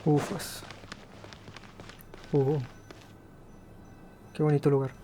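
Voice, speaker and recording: A man's voice: fairly high pitch, flat delivery, takes it slowly. A man giving casual gameplay commentary as a gaming host. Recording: faint background noise.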